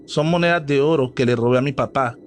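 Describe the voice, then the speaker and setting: A man's voice: medium pitch, fast talker, slight background noise, close to an everyday voice. A man voicing a cocky, daring young male cousin who teases and pushes the others. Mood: taunting. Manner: teasing, pushy.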